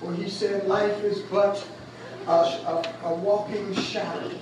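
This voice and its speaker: Over noticeable background noise and strong room echo, a man with a high-pitched voice speaks at a very slow pace. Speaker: preacher giving the eulogy. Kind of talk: sermon, preacher in full flow, building call-and-response to a rousing climax. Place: church. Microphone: camera far.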